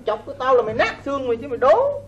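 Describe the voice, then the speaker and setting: Trùm Sò, a blustering village boss. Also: male voice, very high voice, sing-song, racing, dull audio, a crowd in the background. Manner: blustering threats and wailing exclamations. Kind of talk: 1980s Vietnamese folk opera acting.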